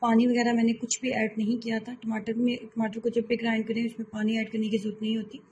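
A woman hosting a home cooking channel, calmly explaining recipe steps in a voice-over and often repeating herself. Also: fairly high pitch, quick pace, highs cut off, slight background noise.

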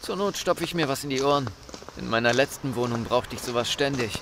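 An actor playing an easygoing, curious buddy in a German radio play. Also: male voice, medium pitch, a little fast, background noise, close to an everyday voice. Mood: casual.

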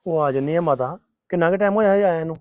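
An actor playing an impatient young husband who insists on going home in a family drama. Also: male voice, a little high, quick pace, no echo, lo-fi sound, lightly acted. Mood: on the phone. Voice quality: insistent, grumbling. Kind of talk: Punjabi family drama acting.

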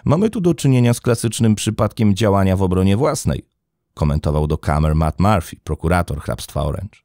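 Male true-crime narrator: low gravelly voice, dark tone, dramatic expressive read. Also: brisk, dry recording, studio quality.

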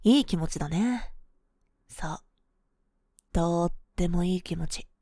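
A woman voicing a cool, boyish young woman, a possessive and sweetly manipulative lover, in an ASMR role-play of intimate pillow talk, soft, breathy and coaxing, close to the microphone. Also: lowish voice, unhurried, dry recording. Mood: soothing, hypnotic. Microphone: close microphone, dry.

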